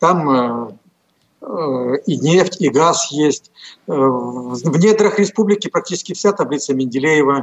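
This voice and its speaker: Talking at a very slow pace with long, frequent pauses, a man keeps a very even loudness at a fairly high pitch. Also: lively intonation. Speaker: regional organization chairman. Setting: phone call with poor line.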